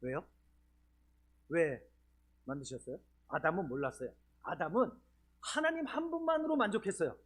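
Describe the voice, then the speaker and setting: A man's voice: fairly high pitch, lively intonation, moderate pace, long pauses, fairly bright tone. A male pastor from the region preaching at a church healing seminar, asking the congregation questions as he goes. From Chungcheong region, Korea. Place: church sanctuary.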